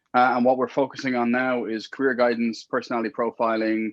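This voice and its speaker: Speaking at a medium pitch in a monotone, flat intonation, a man moves along at a fairly quick pace. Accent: Dublin. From Ireland, Dublin. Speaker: entrepreneur. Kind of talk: podcast interview.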